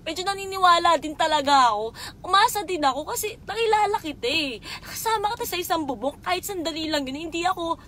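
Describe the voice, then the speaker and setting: In a raw confessional vlog, a young woman swears and grows emotional while telling someone straight out about a painful experience. Her voice is very high, lively and fairly bright, she talks fast, and there's slight background noise.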